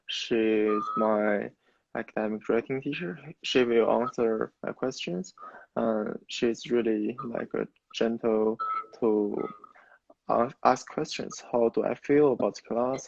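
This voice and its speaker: Halting young Chinese man, muffled audio. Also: medium pitch, vocal fry, a little mellow, dry recording. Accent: Mandarin Chinese. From China. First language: Mandarin. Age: young adult. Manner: halting, non-native phrasing. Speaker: university student interviewee. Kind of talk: informal interview answers.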